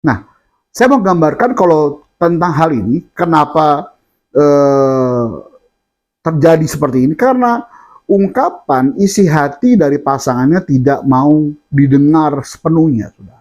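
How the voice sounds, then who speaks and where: A man's voice: on the high side, measured pace, a little mellow, poor audio. A man preaching a sermon, often addressing his listeners directly between filler sounds and restarts.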